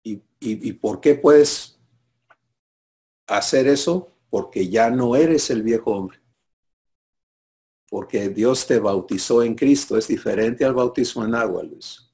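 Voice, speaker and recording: A man's voice: medium pitch, slow pace, long pauses, mellow. A man preaching a sermon, teaching and often asking listeners for assent. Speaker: pastor.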